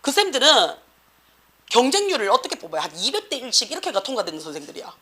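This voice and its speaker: A woman's voice: fairly high pitch, huge pitch swings, fast talker, bright, forceful tone. A middle-aged woman with a Gyeongsang accent, an academy teacher lecturing and scolding students in a blunt, slangy way. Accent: Gyeongsang Korean.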